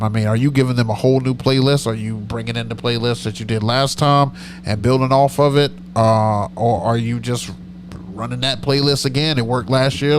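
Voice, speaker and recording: A man's voice: mid-range voice, slight background noise. A middle-aged man with a nasal voice, hosting a live stream as a DJ, chatting casually and rambling as he answers comments. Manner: rambling, self-correcting, chatty.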